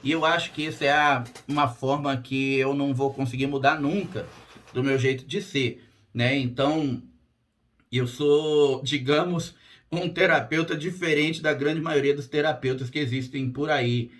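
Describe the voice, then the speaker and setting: A man whose voice is hoarse and strained, with a raspy edge that breaks now and then. He talks casually and directly to his viewers as a spiritual therapist, plain-spoken and unfussy, in a mid-pitched voice. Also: steady tone, moderate pace, a bit bright. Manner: direct and plain-spoken, frequent "tá?" check-ins. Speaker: spiritual therapist and channel host. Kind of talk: casual monologue to camera.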